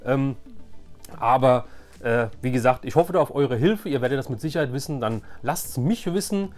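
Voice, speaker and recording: A man's voice: medium pitch, lively intonation, normal speed, a little mellow, soft background music. A middle-aged man chats in a casual, rambling way, like showing off old keepsakes. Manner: rambling, conversational. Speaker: nostalgia video host. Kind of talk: casual nostalgic show-and-tell.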